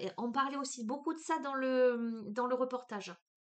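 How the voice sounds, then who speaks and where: A woman speaks at a fairly slow pace. Her voice is high in pitch. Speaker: tarot and oracle card reader. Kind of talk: spiritual guidance reading, casual. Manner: hesitant, many fillers.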